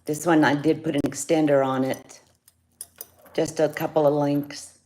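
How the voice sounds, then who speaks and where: A woman's voice: sits low, flat delivery, unhurried, a little mellow. A woman chatting casually on a jewelry livestream, greeting viewers by name. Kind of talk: casual live sales chat. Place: home studio, indoors.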